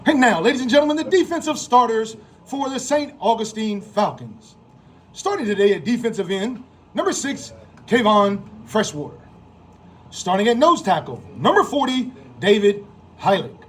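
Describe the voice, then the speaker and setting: Male stadium PA announcer, American accent. Very high register, highly animated intonation, showy drawn-out name calls for football introductions. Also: slightly rough. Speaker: stadium public address announcer.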